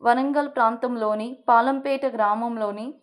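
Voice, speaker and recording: Higher-voiced woman running exam revision, says every fact twice. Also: fairly even intonation, moderate pace. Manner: repeats each point like a drill. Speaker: exam prep tutor.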